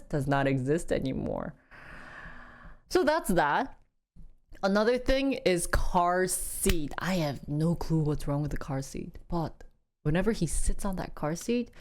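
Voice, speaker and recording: A woman in her thirties chatting casually to viewers, rambling and animated, acting out her baby's noises. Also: mid-range voice. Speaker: vlogger talking about her baby.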